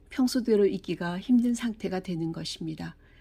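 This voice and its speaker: Calm in tone, a woman speaks at a moderate pace with a medium pitch. Her voice is somewhat breathy, with ordinary pitch variation. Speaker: audiobook narrator. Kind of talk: sleep audiobook reading. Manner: soft-spoken, calm.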